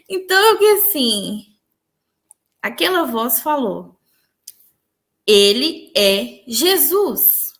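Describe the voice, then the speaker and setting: Young woman, high-pitched and soft-spoken, giving an earnest personal testimony as an interview guest. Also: creaky. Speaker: interviewee recounting a spiritual experience.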